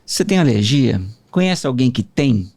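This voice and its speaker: A man's voice: medium pitch, very animated, moderate pace, darkish tone. A man co-hosting a podcast, hyping a product with playful salesman banter. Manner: jokey, salesman-like hype. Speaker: podcast co-host.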